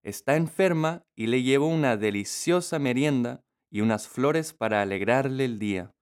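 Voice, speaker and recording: A man voicing a sweet, excited little girl in a red hood, with a high, eager, sing-song delivery. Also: moderate pace, clean tone, close to an everyday voice.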